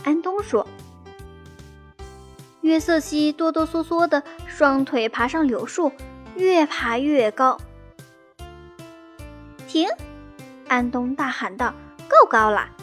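A woman storyteller reads a children's tale in a high, gentle voice. She keeps an unhurried, expressive pace. Faint music plays underneath her.

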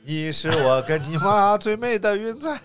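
Animated man telling stories, laughing. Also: high voice, normal speed. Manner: animated storytelling, laughing often. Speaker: podcast co-host. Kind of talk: casual chat. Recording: faint background music.

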